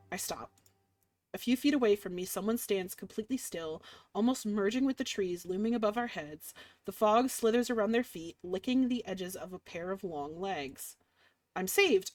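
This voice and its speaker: A young woman reading a dark visual novel aloud in dramatic first person, breaking off for giggly asides. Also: mid-range voice, no echo. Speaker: streamer playing a game.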